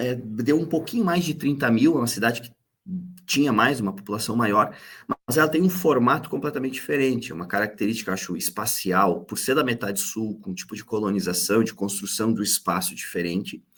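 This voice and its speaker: On a very clean recording with a silent background, a man of medium pitch talks at a fairly quick pace with lively intonation and big swings in loudness. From Rio Grande do Sul, Brazil (northeast region). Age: 40s. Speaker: university professor. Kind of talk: radio interview. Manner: hesitant, repeats words.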